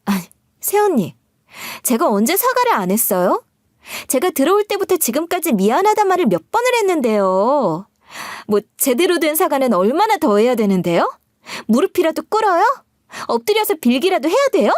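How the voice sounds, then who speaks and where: A brash, cheeky young sister-in-law, as a woman storyteller puts her on, whiny and pushy. She is pitched high with a lively, swooping delivery in a dry, close recording. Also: a little slow, no room sound. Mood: indignant.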